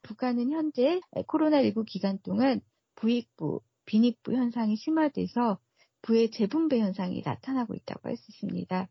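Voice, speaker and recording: A woman's voice: fairly high pitch, animated, normal speed, gravelly, husky, no room sound, muffled recording. A woman speaking as an expert radio guest, giving prepared analysis in a formal, explanatory way. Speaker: research fellow, expert guest.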